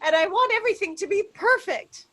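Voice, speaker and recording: A woman acting a cheery, flustered suburban mother, sweet and excitable, in a comedy table read. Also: very high voice, a little fast, heavily acted. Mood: fussy, excited. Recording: remote virtual table read call.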